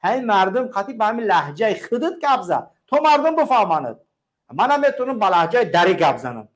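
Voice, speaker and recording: A man's voice: sits high, very animated. A man with a Tajik accent hosting a call-in show, talking in an emphatic, preachy way and piling up repeated phrases. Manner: emphatic and repetitive, stacks up parallel phrases. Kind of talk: preachy political call-in talk.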